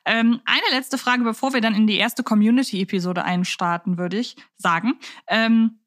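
A woman's voice: on the high side, fairly even intonation, normal speed, a bit bright. A woman hosting a podcast in a conversational style, speaking in an articulate, reflective way. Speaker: podcast host.

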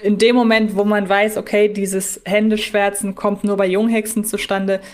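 A woman with a medium-pitched voice speaks as a podcast co-host. She reasons aloud in a casual, analytical way, often turning points into questions. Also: level tone, moderate pace.

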